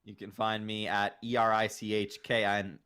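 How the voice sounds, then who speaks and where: A man's voice: lowish voice, little pitch movement, normal speed, a bit bright, clear, resonant tone. A man co-hosting a casual podcast, mock-boastful, swearing and stumbling over his words. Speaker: podcast co-host.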